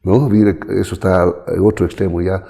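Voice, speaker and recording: A middle-aged man with a Bolivian accent tells his story as an interview guest, with a very deep, gravelly voice. His tone is dark and mellow, and he brings the people he quotes to life. A long reverb trails behind his words. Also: normal speed. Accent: Bolivian Spanish. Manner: animated, acts out quoted voices.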